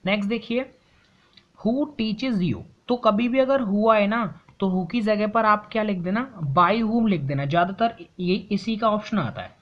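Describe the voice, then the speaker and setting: A woman's voice: mid-range voice, moderate pace, hardly any pauses. A woman teaching a grammar lesson at a board, working through each step and putting questions to her students. Her voice sits in a middling range. The sound is dull and lo-fi, like a basic classroom video. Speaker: English teacher.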